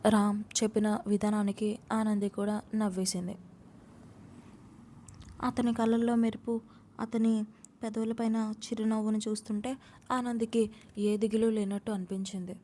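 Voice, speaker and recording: A woman's voice: medium pitch, level tone, moderate pace, pauses often, warm tone, slight background noise. A woman narrating an audiobook love story, reading every character's lines in her own voice with light acting.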